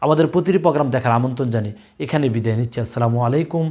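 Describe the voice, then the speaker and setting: A male religious teacher giving a recorded lesson to young pupils, spelling out letters loudly and slowly and repeating each drill several times. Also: mid-range voice. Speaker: Quran and tajweed teacher.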